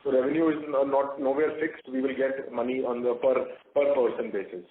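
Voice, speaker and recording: A man's voice: medium pitch, steady tone, brisk, slight background noise. Echoey Indian man on a tinny phone line. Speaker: company executive answering investor questions. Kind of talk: earnings call question-and-answer. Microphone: phone conference call.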